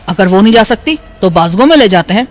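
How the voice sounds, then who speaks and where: A man's voice: sits high, animated, in a large hall, soft background music, pitched below the performer's own voice. A man voicing a crude, leering male gatekeeper who talks in a coarse, sneering way.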